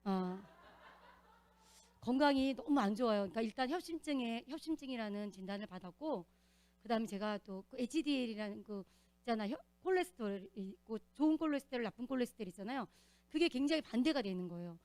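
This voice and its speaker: A woman giving an earnest, animated testimony as a church deacon, telling her story in a church. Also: on the high side, quick pace, dry recording.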